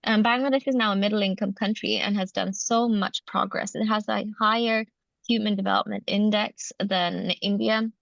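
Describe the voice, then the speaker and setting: A woman explains her ideas in an interview, reflective and full of small hesitations. Her voice has a gravelly fry to it. The sound is dry and a little muffled, with little of the room in it. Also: medium pitch, steady tone, normal speed, dry recording. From Sweden. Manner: thoughtful, many hesitations. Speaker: guest anthropologist. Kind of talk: academic interview answer.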